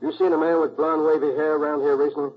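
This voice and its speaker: An actor playing a blunt, impatient homicide sergeant in 1940s radio drama style. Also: male voice, a little high, flat delivery, quick pace, soft background music, close to an everyday voice. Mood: questioning. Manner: blunt, slangy. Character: gruff, impatient male police homicide sergeant, easily exasperated. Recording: muffled, humming old radio recording.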